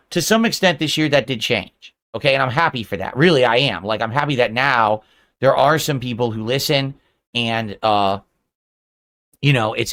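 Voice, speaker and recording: A man's voice: mid-range voice, a bit bright. A man in his forties ranting on a livestream, aggrieved and defensive, repeating himself as he reads out a tip. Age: 40s. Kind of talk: livestream rant.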